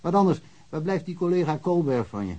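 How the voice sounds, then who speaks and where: An actor playing a chatty, blunt male small-town police officer in a radio drama, with a husky voice. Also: fairly high pitch, big pitch swings, a little fast, mellow, highs cut off. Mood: gossipy. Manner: talkative and blunt.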